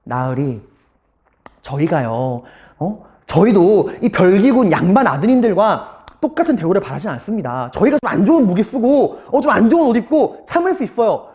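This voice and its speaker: A man's voice: medium pitch, mellow, voice pushed down. A male teacher voicing a poor Joseon foot soldier who pleads and whines to his superior for unpaid wages. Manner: pleading, whiny.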